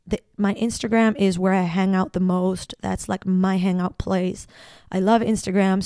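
A woman's voice: medium pitch, dark tone, clean tone, no room sound, clean studio sound. A woman from Ecuador with a Latin American Spanish accent, hosting a solo spiritual podcast, effusive and repeating phrases for emphasis. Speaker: podcast host.

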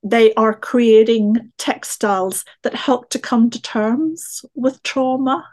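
A woman's voice: a little high, takes it slowly, a little mellow. A middle-aged woman with a Northern Irish accent, answering interview questions in a thoughtful, discursive, explanatory way. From Northern Ireland. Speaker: guest, textile historian and teacher. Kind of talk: conversational podcast interview answers.

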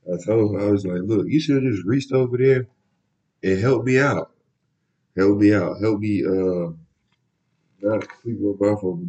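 A young man with a very low, dark voice talks in a loose, rambling way, sprinkling in slang. He sounds nasal and stuffed up from a cold. The audio is a bit dull and muffled. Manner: laid-back, rambling storytelling with slang. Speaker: podcast host. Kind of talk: casual solo podcast talk.

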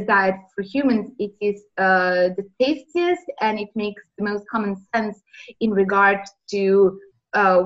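A woman from Serbia, answering interview questions earnestly with many pauses, heard over a remote call. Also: medium pitch, dull audio. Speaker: interview guest.

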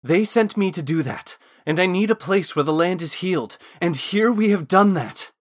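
A man's voice: medium pitch, moderate pace, fairly bright tone, lightly acted. A man playing an earnest, desperate cursed man in a fantasy audiobook, pleading urgently in formal wording.

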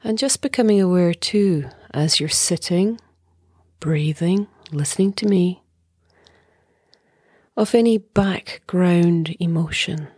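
A middle-aged woman leading a guided meditation as a teacher, speaking softly and breathily in a calm, gentle way with long pauses. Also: on the low side, no room sound, clean studio sound. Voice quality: soft, breathy.

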